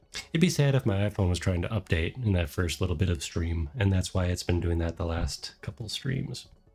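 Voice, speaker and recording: With an American accent and lively intonation, a man talks at a fairly quick pace in a very deep, low pitch while music plays in the background. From US Midwest, rural. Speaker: VTuber streamer. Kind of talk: casual live-stream chat. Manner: rambling with fillers and self-corrections.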